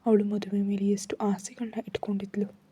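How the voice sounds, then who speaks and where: A woman narrating a first-person dramatic story in a soft, often whispery voice, voicing the characters' lines herself. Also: medium pitch, little pitch movement, moderate pace, breathy edge.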